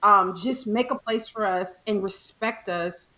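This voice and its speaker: A woman's voice: mid-range voice, unhurried, pushed and bright. A woman panelist speaking emphatically and persuasively on a video call. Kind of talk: candid panel talk.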